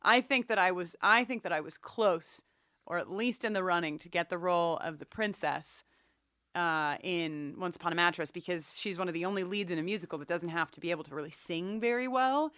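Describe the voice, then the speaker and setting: Bright, clear-voiced woman podcaster. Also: lowish voice, brisk, no room sound, studio quality. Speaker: podcast co-host. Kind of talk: casual chat about a TV show.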